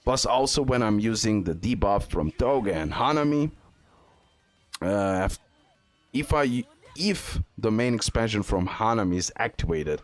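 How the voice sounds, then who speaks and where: A man's voice: on the low side, dry recording. A man giving casual, off-the-cuff gameplay commentary, repeating phrases and tacking on little check-in questions. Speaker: gaming content creator.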